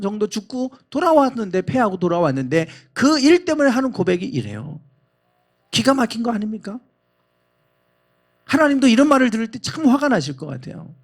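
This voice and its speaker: A man preaching a sermon as pastor in a church, speaking emphatically and leading the congregation in reading. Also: very high-pitched. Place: church sanctuary.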